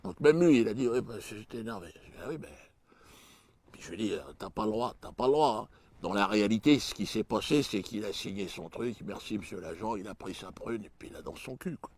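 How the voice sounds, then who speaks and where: A man performing a stand-up comedy routine in a crude, mocking way, jumping suddenly in pitch and loudness. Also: lively intonation, brisk.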